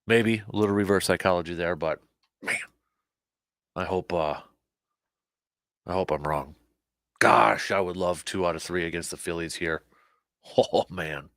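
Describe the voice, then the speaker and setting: A man with a low voice hosts a casual sports talk show, slightly hoarse and animated, often repeating himself as he restarts his sentences. The sound is dry and close. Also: unhurried, pauses often, no room sound.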